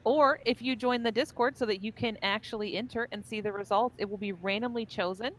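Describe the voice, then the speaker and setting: A woman's voice: a little high, brisk, rough recording. A woman co-hosting an esports stream, explaining the schedule, giveaways and fights in an upbeat, organized way. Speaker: esports co-caster. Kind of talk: casual esports commentary.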